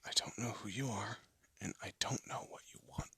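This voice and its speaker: A hardened ex-gangster husband, protective and blunt, as a man acts him out in an audio roleplay. His voice is deep and gravelly, mostly a hushed whisper with a sharp, tense edge. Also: fairly quick, dry recording, heavily acted. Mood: threatening. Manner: low threatening whisper. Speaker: voice actor.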